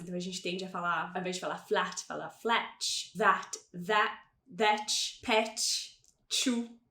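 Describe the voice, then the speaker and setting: A woman teaching a pronunciation lesson. Her voice sits in a medium pitch, and she slows down to model each word with care. The room around her gives a noticeable echo. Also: a bit bright. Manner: clear, slowed demonstrations of sounds.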